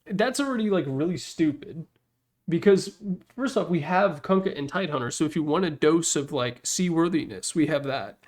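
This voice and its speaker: A man's voice: a little high, animated, normal speed. A man giving casual, rambling ranking commentary in a blunt, sweary, candid manner, recorded in his room on a desktop microphone. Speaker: host ranking game announcer packs. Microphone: Yeti desktop microphone.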